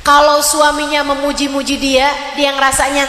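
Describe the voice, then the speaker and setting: A woman preacher giving a religious talk to women, with rhythmic repetition and prayers acted out in a softer, lower voice. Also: flat delivery, moderate pace, slight background noise. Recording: echoey hall with faint ambience.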